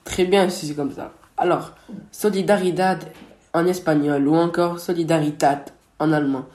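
Guy co-hosting a word show, mellow tone, jokey digs at his partner. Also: on the high side, fairly even intonation, normal speed. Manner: playful, teasing his co-host. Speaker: co-host of a word radio show. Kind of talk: scripted radio chat with teasing banter.

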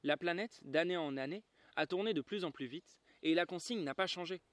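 Allumeur de réverbères las et fidèle, lu par un homme, ton résigné, voix assez haute. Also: male voice, a little high, a little fast, a bit bright, no echo, close to an everyday voice. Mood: weary. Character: weary male lamplighter, dutiful and tired.

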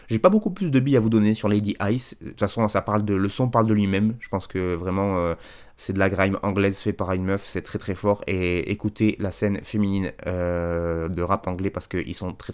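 A man hosts a music radio show in a casual, rambling commentary style. His voice sits on the low side, and he talks with slangy enthusiasm. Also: clear, resonant tone. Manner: loose and rambling.

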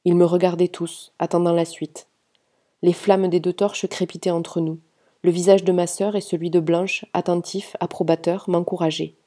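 A woman reading a first-person novel aloud in a steady, measured way. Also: on the low side. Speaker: audiobook reader.

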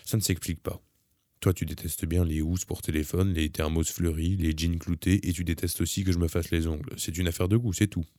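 A man's voice: sits low, fairly even intonation, brisk, mellow, dry recording, studio quality, close to an everyday voice. A man reading the lines of a weary, irritable young wife, curt and reproachful. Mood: irritated.

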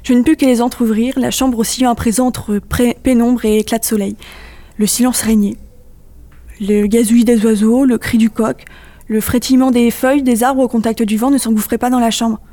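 A woman reading aloud her own eerie first-person story, with measured storytelling. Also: on the high side, little pitch movement, mellow.

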